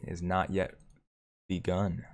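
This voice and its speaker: A man hosting a live stream, commenting on stock charts and reading viewer comments aloud with excitement. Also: sits low, unhurried. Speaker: livestream host.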